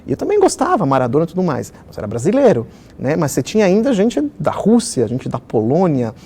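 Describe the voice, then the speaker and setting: Animated middle-aged man telling stories. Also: fairly high pitch, brisk, a little hiss or hum. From Israel. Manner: animated storyteller, many fillers. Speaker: children's author. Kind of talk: conversational interview storytelling.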